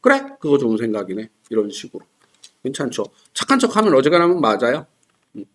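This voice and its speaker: A man's voice: mid-range voice, wildly swooping pitch, quick pace. A man teaching English test strategy in a casual lecture, acting out example dialogues with playful voices.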